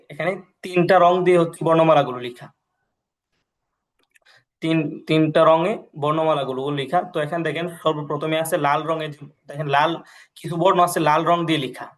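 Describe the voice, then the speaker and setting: A young man teaching an online language class, patiently explaining and repeating each letter several times as he drills the alphabet. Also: on the high side.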